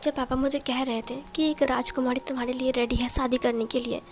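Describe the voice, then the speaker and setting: A playful young prince who teases his love one moment and begs forgiveness the next, as a woman narrator puts him on. The voice sits high and light, and there is soft music underneath. It is plainly told, like a storybook retelling. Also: little pitch movement, brisk, close to an everyday voice. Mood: teasing.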